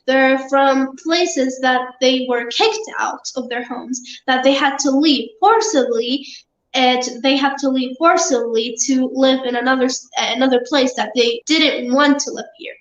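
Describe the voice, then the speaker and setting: A woman's voice: sits high, measured pace. A girl from Palestine, answering interview questions earnestly, with many fillers and restarts. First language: Arabic. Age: child. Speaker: guest. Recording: roomy, muffled remote audio.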